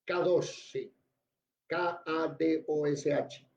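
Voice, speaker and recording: A man's voice: fairly high pitch, steady tone, drawn-out words, vocal fry, darkish tone, reverberant. A man teaching a classroom Bible lesson. He spells out words letter by letter and quizzes his students. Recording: dull lo-fi recording.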